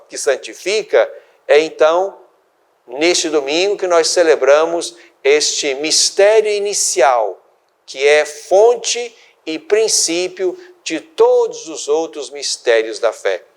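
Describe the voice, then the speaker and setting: An older Brazilian bishop delivers a reflective sermon, pacing each phrase slowly and deliberately. His voice sits a little higher than most men's, and he lets pauses settle between the clauses. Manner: slow, deliberate, measured phrasing. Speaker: bishop hosting a religious program.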